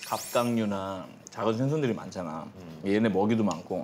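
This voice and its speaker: There is light background noise behind the speech. A man talks with lively intonation at a moderate pace. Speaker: TV host at a meal. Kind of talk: casual talk over food. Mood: chatty, explaining trivia. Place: cafe. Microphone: lapel.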